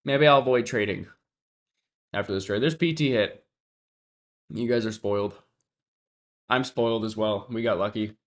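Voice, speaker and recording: A man's voice: fairly low pitch, normal speed, long pauses. Stuffy-nosed man chatting through a live stream. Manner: thinks aloud, talks to chat, trails off. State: congested, sniffling. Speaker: livestream trader. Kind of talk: casual livestream commentary.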